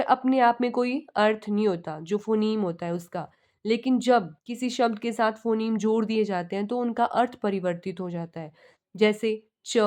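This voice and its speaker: A woman's voice: a little high, a little mellow. A young woman teaching an exam-prep lecture in with terms, explaining step by step and asking and answering her own questions.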